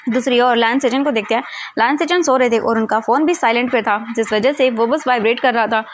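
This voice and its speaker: A woman's voice: a little high, quick pace, a little hiss or hum. A woman casually retelling a fan fiction story in a chatty way. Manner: chatty, retells scenes with many quotes.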